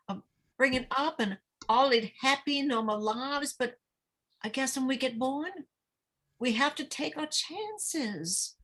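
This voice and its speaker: A woman acting as an anxious, needy middle-aged small-town mother in a script read, halting and stammering as she talks. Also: fairly high pitch, sharp tone. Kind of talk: dramatic table read of a screenplay.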